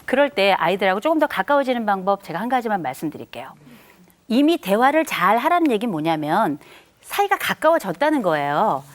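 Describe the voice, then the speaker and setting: Middle-aged lady giving a chatty family lecture, voice all over the place, acts out quotes. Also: mid-range voice. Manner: animated, acts out quoted speech, chatty asides; slows down for key maxims. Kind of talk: lively lecture to an audience.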